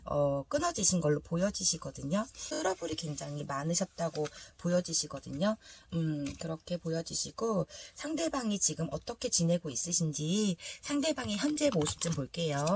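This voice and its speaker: A woman hosting a tarot reading, hoarse from a throat cold, speaking politely and conversationally as she explains to viewers. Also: on the low side, a little mellow, a little hiss or hum. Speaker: tarot reader, channel host.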